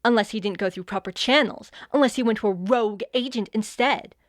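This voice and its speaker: Young godparent in charge, female actor: blunt, wry, fairly high voice, close dry sound. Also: brisk, dry recording, lightly acted. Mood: skeptical. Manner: blunt, sardonic. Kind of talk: audio fiction comedy acting.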